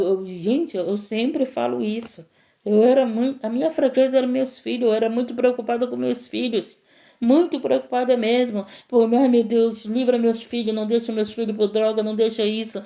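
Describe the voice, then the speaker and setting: Middle-aged woman preacher, higher mellow voice, fervent repeated prayers. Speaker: missionary preacher. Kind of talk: sermon.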